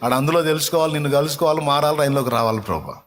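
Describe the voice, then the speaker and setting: A man's voice: fairly high pitch, racing. A male pastor giving an earnest sermon to a congregation, speaking with a Telugu accent and stressing his points by repeating them. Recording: long hall reverb.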